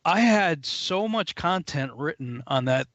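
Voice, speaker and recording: A man hosting a casual conversation, talking in a relaxed way with hesitant restarts. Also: a little high, unhurried, no room sound. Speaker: podcast host. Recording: dull dry recording.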